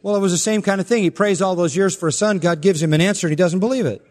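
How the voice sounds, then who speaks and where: A male pastor preaching an expository sermon, emphatic and citing scripture references in quick lists. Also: high-pitched, a little mellow. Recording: long reverb in a church hall.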